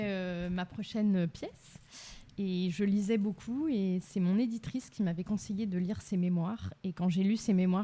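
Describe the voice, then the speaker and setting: A woman's voice: medium pitch, warm tone. A woman answering interview questions conversationally, in an earnest, explanatory way. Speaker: interview guest, playwright and director.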